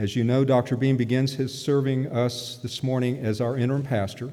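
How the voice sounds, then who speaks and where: Medium in pitch, a man's voice has a dark, mellow tone. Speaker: church member introducing the interim pastor. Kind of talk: introduction. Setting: church.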